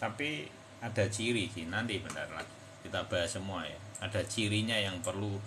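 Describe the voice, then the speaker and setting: Against noticeable background noise and audible room echo, a man with a fairly low voice speaks in an East Javanese accent. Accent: Javanese with some Surabaya medok from mother. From Indonesia, Semarang (Central Java). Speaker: crypto trading educator. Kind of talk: live-stream tutorial. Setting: live TikTok stream. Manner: casual, chatty.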